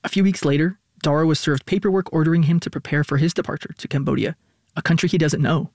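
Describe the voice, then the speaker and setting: A man narrating a radio news feature as reporter, in a measured, scripted storytelling voice. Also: on the high side, darkish tone, no echo, studio quality.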